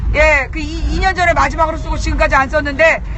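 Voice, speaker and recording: A woman at a very fast pace, with crowd noise in the background and audible room echo. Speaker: live-streaming political commentator. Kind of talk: live street broadcast. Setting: outdoors at a candlelight rally. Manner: casual, chatty.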